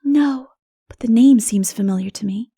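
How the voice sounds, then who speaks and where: A woman's voice: on the high side, moderate pace, dark tone, breathy edge, no echo, clean studio sound. A woman voicing an earnest, imaginative girl heroine in a classic novel audiobook. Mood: curious, delighted. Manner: earnest, rhapsodic.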